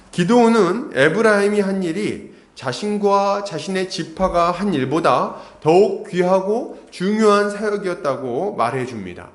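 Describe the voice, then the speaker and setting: Man, pastor, preaching a sermon, fairly high voice, asks the listeners questions, echoey church hall. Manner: asks the congregation questions, acts out quotes. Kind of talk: expository sermon. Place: church sanctuary.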